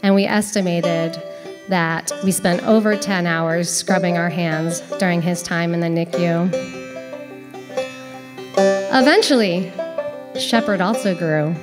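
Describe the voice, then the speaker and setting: A woman telling a personal story on stage with a slow, deliberate delivery. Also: fairly low pitch, over loud music.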